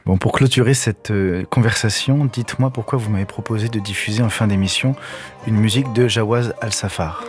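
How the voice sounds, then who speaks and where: A man's voice: lowish voice, brisk, soft background music. A man hosting a radio interview, asking courteous, attentive questions. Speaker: radio host.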